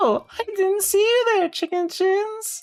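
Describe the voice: A put-on character voice, squeaky and nasal, sits at an extremely high pitch and moves at a fairly slow pace. Faint music plays in the background.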